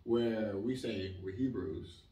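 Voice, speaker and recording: Young male guest, low pitch, animated casual talker, distant mic with room echo. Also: takes it slowly, a little hiss or hum. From Israel. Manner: animated, emphatic, leans on filler "like". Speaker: interview guest. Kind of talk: casual conversational interview. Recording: roomy sound, mic at a distance.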